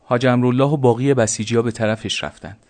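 A man narrating a scripted story in a flat, even manner. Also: medium pitch, no room sound.

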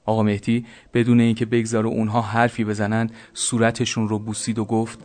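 A man narrating a scripted story in a flat, even manner. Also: lowish voice, soft background music.

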